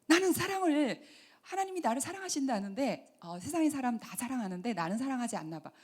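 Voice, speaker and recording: A middle-aged woman giving a Christian lecture on healing, talking earnestly and dropping to soft whispers for emphasis. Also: sits high, sing-song, quick pace, husky. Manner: earnest, acts out mothers and children in quoted asides. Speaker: counseling center director giving a lecture.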